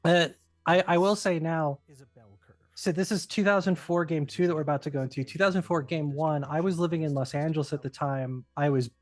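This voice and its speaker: Middle-aged man, brisk animated talker, a bit high, film commentary. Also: dry recording, faint music behind. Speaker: filmmaker giving director's commentary. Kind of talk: casual commentary chat.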